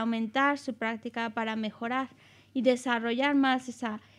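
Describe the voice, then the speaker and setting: A woman speaks with fairly even intonation. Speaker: interpreter for a Buddhist teacher. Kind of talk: interpreted dharma teaching. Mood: calm, earnest explanation. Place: hall. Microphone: podium.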